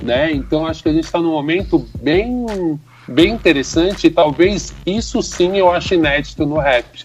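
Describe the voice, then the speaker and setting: A man speaks in a normal speaking voice, his pitch fairly high with ordinary variation, at a moderate pace. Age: 30s. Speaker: graphic designer and video director. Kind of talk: casual chat.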